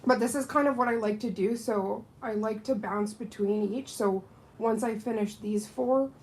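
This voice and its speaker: A woman's voice: a little high, fairly even intonation, normal speed, a little mellow, a little hiss or hum, low-quality recording. Chatty Canadian woman doing nails. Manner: chatty, bubbly, laughs often. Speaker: nail technician. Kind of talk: casual chat while working.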